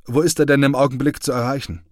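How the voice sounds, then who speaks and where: A man's voice: medium pitch, fairly even intonation, fast, dry recording, clean studio sound, voice pushed up, close to an everyday voice. A man playing a hearty returning sergeant. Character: cheerful male sergeant back from hospital.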